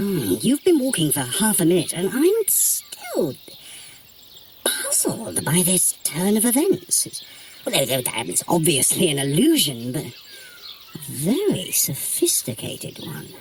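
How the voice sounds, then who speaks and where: Putting on a character voice, a man speaks at a high pitch and fairly slow pace in a smug tone. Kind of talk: fitness app audio drama. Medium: audio drama. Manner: arch, dryly sardonic, smug.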